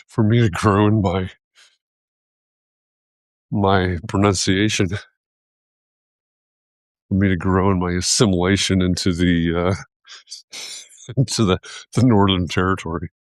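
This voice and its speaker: This very low-voiced man from the United States talks in a relaxed, reflective way as host of a live video. He keeps a steady tone but pauses and starts over while finding his words, recorded close and dry with no echo.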